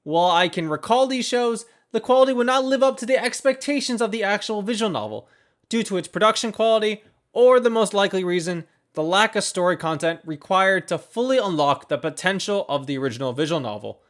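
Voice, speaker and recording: A man hosting a video essay, reading scripted narration in a measured, reflective way over opinions and recollections. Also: high-pitched, expressive. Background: background music.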